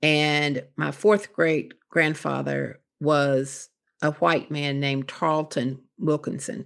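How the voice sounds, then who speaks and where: A woman with a Kentucky accent speaks at a very slow pace. Her pitch is very deep and low, with ordinary variation. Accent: Southern Appalachian US, Kentucky. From rural Kentucky (Indian Creek). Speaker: author. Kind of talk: interview. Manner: hesitant, many fillers.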